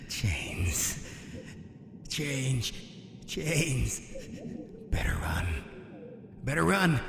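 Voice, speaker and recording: A man's voice: mid-range voice, gravelly, exaggerated voice. An actor playing a sadistic, monstrous warden in a horror audio drama, taunting his prey in a sing-song menace. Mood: gleeful menace. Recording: echoey reverberant hall with noise.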